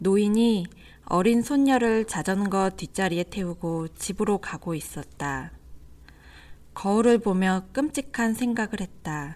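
Speaking at a very slow pace, a woman uses a medium pitch. The recording is very clean and the background silent. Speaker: librarian. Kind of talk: poetry reading discussion. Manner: nervous.

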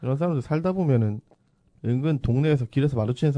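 This man has a dark, mellow tone at a medium pitch. He speaks at a very fast pace with ordinary pitch variation. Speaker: podcast co-host. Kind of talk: casual chat.

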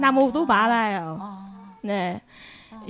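A woman's voice with lively intonation, in a Vietnamese accent. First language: Vietnamese (speaking Korean). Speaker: migrant resident. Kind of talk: casual chat. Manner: halting.

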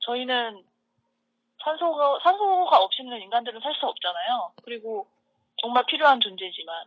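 A high-pitched woman at a moderate pace, with very wide pitch swings and long, frequent pauses. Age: 20s. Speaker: new office employee. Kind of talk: casual chat.

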